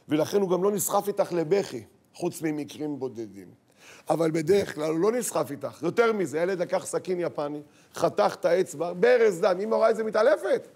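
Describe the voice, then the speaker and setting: Animated high-voiced man preaching. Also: husky. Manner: animated, acts out quoted voices, rhetorical questions. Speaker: rabbi giving a talk. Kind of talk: lively sermon to an audience.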